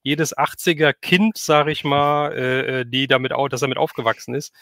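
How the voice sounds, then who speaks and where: A man's voice: medium pitch, little pitch movement, moderate pace, bright, forceful tone, dry recording. A man hosting a livestream interview in a casual, chatty, colloquial way, like one fan talking to another.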